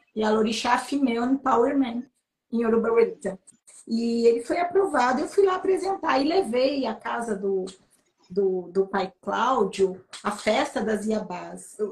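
Very wide pitch swings stand out in speech delivered at a fairly slow pace. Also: woman, fairly high pitch for a woman. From interior of Rio de Janeiro state, Brazil (Macaé). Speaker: author and researcher. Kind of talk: casual interview. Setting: live video stream. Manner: halting, many hesitations.

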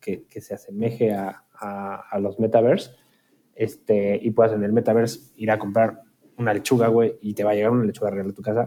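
A man speaks at a fairly quick pace with a medium pitch. His tone is dark and mellow. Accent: Mexico City. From Mexico City. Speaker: podcast co-host. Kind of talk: casual chat.

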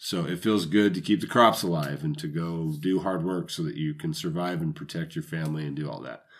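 A fairly quick pace on a very clean recording with a silent background. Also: man, very deep, low pitch for a man, ordinary pitch variation, hardly any pauses. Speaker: podcast host. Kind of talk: casual podcast talk.

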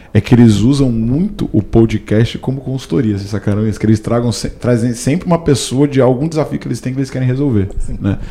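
Hardly any pauses over noticeable background noise. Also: man, medium pitch for a man, ordinary pitch variation, fairly quick pace. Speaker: podcast host. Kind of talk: casual interview.

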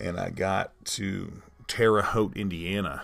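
An animated man with a Southern US accent, vocal fry, and ordinary pitch variation. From US South. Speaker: podcast host. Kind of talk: casual comedic monologue. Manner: animated, humorous storyteller.

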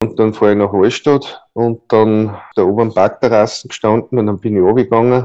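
Monotone, flat delivery from a man with an Austrian accent, fairly low in pitch, at a moderate pace with hardly any pauses. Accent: Austrian dialect speaker. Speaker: actor. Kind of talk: casual interview. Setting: video call.

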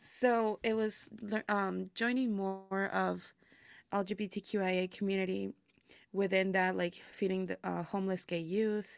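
A woman with a Spanish accent speaks at medium pitch and a fairly slow pace, her intonation monotone and flat. The recording is very clean, with a silent background. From Mexico, Ciudad Juarez. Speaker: burlesque performer. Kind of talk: interview.

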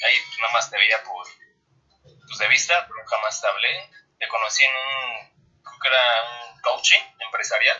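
Against music in the background, a man speaks with long, frequent pauses and big swings in loudness. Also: moderate pace. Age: 20s. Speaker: podcast guest. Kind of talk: casual chat. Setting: Instagram live video call.

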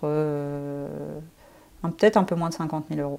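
A woman with a very deep, low pitch, dark, mellow tone, monotone, flat intonation and fairly slow pace. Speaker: teacher and traveller. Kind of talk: interview, personal story. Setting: in person, small rented flat.

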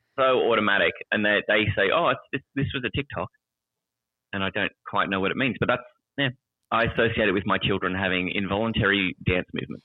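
A man with an Australian accent talks at a fairly quick pace in a fairly low pitch. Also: ordinary pitch variation. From Australia, Canberra. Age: 30s. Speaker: podcast host guest. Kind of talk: casual interview chat. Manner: animated, chatty.

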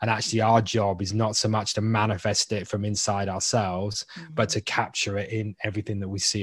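On a very clean recording with a silent background, a man speaks at a fairly quick pace with hardly any pauses. His fairly low voice keeps a monotone, flat intonation. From southern England (Sussex countryside). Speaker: pastor and author. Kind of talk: casual interview chat. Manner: occasional stammer.

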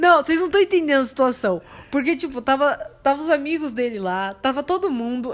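Music plays in the background. The speech comes at a fairly quick pace. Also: woman. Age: 20s. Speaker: podcast co-host. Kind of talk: casual chat. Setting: home, on a sofa.

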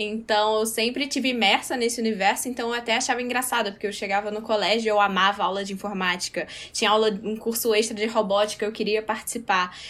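A woman speaks very fast in a fairly high voice, with hardly any pauses and fairly even intonation. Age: 20s. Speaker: UX designer and computer science student. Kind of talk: casual interview.

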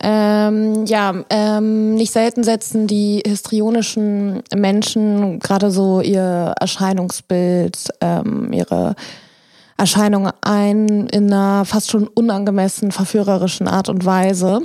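The speaker goes at a very slow pace with monotone, flat intonation and very even loudness. The tone is dark and mellow. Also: woman, medium pitch for a woman. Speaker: co-host, relationship expert. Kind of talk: casual chat.

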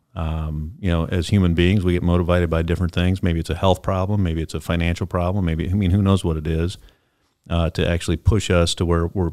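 At a very fast pace, a man speaks in a monotone, flat intonation with a very deep, low pitch, recorded very cleanly with a silent background. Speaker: author and business owner. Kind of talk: casual interview chat.

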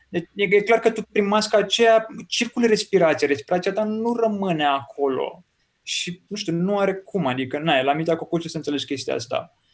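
A man talks in a high voice with lively intonation. His pace is moderate. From Romania, Piatra Neamț. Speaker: social media influencer. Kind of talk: casual chat.

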